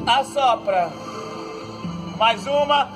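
A Brazilian man leading an outdoor stretching class, giving calm breathing cues and joking lightly as he moves the group through each pose. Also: very high voice, very slow. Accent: Brazilian Portuguese. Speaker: fitness instructor. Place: outdoor court, large open space. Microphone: far camera on the ground. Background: background music.

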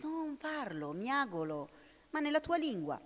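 A woman's voice: sits high, very animated, a little slow, fairly bright tone, voice pushed up, heavily acted. A woman reading a big black harbor tomcat. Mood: earnest. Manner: pleading, earnest. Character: big black male harbor cat, earnest and persistent. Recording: long hall reverb.

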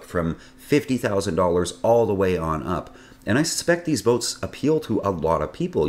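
A man in his forties delivers a scripted sailing-channel narration, his voice low and deep. His pitch swings widely as he talks, with a chatty, wry manner and dry asides. He is recorded indoors in a home office, at a desk camera a short distance away.

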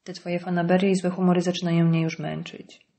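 A woman's voice: fairly low pitch, flat delivery, a little fast, warm tone, lightly acted. A woman reading an audiobook voices a curt, irritable middle-aged politician husband. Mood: curt, irritated. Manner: curt, dismissive.

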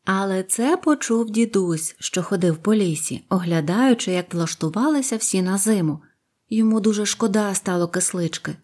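A woman reading a fairy tale aloud in a calm, tender narrating voice. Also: medium pitch, moderate pace. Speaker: storyteller.

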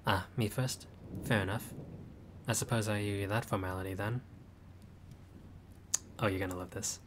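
A man's voice: steady tone, moderate pace, background noise, natural voice. A man voicing a friendly, laid-back male vampire host with dry teasing humor in a roleplay audio. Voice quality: low voice, dry teasing humor, grandly theatrical at times.

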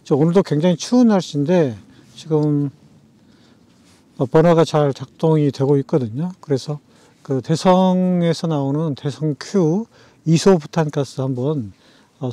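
A man chatting casually to viewers as a camping vlogger, talking things through in an unhurried, thinking-aloud way. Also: fairly high pitch, warm tone, dry recording. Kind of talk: casual vlog chat.

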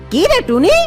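A woman's voice: very high-pitched, full character voice. A woman voicing a greedy, bullying but cowardly fox villain in a children's cartoon, with a taunting way of talking. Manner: taunting, sneering, stammering when startled.

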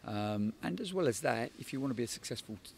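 A man in his forties, a football head coach, giving a measured post-match interview outdoors at a night stadium, often repeating words as he thinks. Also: mid-range voice, expressive, creaky, darkish tone, a little hiss or hum. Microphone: handheld interviewer microphone.

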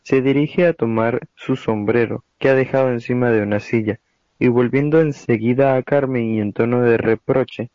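A man's voice: mid-range voice, fairly even intonation, moderate pace, darkish tone, echoey room. A young man with an Argentine accent reading stage directions for an amateur radio play, on a dull recording. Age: young adult. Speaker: narrator.

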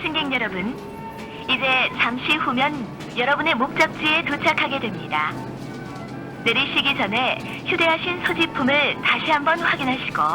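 A woman with a high voice reads a scripted bus passenger announcement in a formal, courteous manner. It's a pre-recorded announcement with background music, and the audio is poor.

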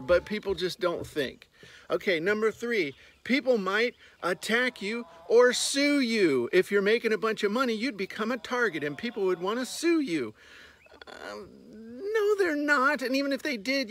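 Fifties male business coach, higher-pitched voice, blunt sarcastic vlogger, outdoor phone-mic sound. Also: a bit bright. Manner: blunt, sarcastic, jokey outbursts. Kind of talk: casual talking-head vlog. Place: outdoors on a farmyard. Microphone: phone held at arm's length.

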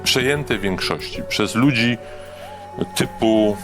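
A man's voice: lowish voice, slow pace. A man speaking on politics to the public in an emphatic, rhetorical way. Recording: clear music behind the voice.

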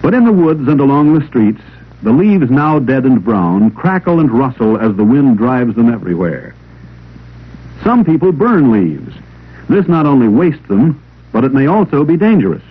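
A man reading scripted instructional narration for a 1950s classroom film in a measured, didactic way. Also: medium pitch, big pitch swings, breathy edge. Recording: old 16mm film soundtrack, narrow telephone-like band.

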